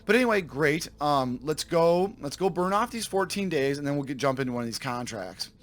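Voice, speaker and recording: Slightly raspy man, lively pitch. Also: a little fast. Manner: thinks aloud, self-correcting, addresses viewers. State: slightly raspy from a sore throat. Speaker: let's play host. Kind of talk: casual gameplay commentary.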